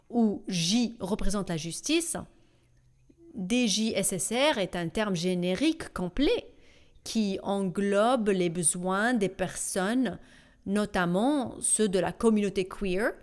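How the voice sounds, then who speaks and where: A woman voicing a panel discussion in a measured, deliberate way, with small hesitations. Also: mid-range voice. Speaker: voice-over translator.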